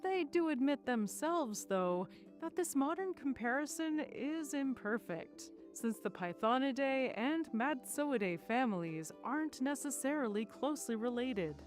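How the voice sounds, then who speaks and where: A woman reading scripted educational science narration in a clear, explanatory manner, as a video narrator. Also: high voice, lively intonation, unhurried, soft background music.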